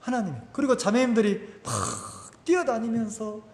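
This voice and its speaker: A man pastor, giving a conversational, animated sermon full of rhetorical questions in a church. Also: very high-pitched, moderate pace. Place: church sanctuary. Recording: echoey church hall.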